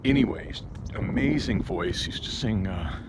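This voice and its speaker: Loud wind batters the microphone as a man with a fairly low voice talks outdoors. He is vlogging on foot in a casual, rambling monologue. He drifts into side stories and circles back to his thread. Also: lively intonation, unhurried. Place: outdoors on a street, walking.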